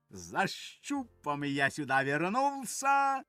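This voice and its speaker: A man reading the part of a self-satisfied visitor who speaks in showy, drawn-out phrases, in an audiobook of a stage play. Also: sits high, pushed and bright, no echo, heavily acted.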